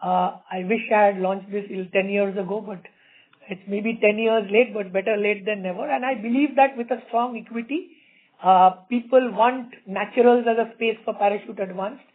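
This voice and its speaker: A man's voice: high voice, steady tone, moderate pace. A middle-aged man with an Indian accent, an executive confidently answering questions on an earnings conference call, often repeating words as he explains. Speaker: company executive. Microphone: conference call line. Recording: tinny narrow phone-line sound.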